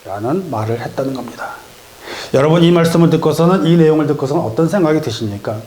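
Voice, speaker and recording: A man's voice: fairly high pitch, lively intonation, quick pace, a little mellow. A middle-aged man preaching a sermon in a church, telling a story and acting out its dialogue in voices. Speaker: pastor. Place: church sanctuary.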